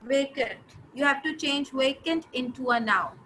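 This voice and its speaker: High-pitched South Asian woman teaching, noisy recording. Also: expressive, normal speed, bright, forceful tone. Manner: instructive, repeats phrases and checks understanding. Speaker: English teacher. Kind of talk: interactive online grammar lesson.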